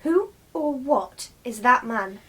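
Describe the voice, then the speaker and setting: A woman's voice: on the high side, expressive, slow, fairly bright tone. A woman playing a bewildered, indignant and prim journalist in a radio play, insistently questioning. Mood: puzzled.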